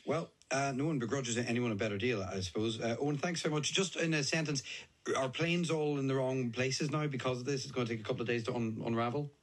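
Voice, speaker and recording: A man's voice: medium pitch, quick pace. A man presenting a live radio news interview in a conversational, informal way.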